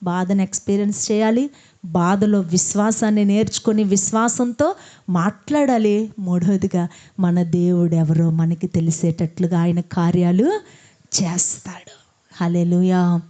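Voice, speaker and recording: A woman's voice: lowish voice, steady tone, measured pace, warm tone. A woman preaching a sermon who asks the congregation questions, answers them herself, and leads them in prayer.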